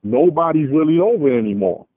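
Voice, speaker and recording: A man's voice: on the high side, animated, a little fast, husky, no room sound. A man with a Brooklyn accent calling in to a show over the phone and chatting casually as a fan. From Brooklyn, New York. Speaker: phone-in caller. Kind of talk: casual sports fan chat. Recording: narrow tinny phone line.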